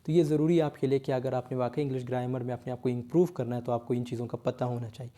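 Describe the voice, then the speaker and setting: A man teaching English spelling as a grammar teacher, reading English points slowly and explaining them quickly in Hindi. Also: medium pitch, flat delivery, mellow. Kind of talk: explaining a lesson, switching between Hindi and English.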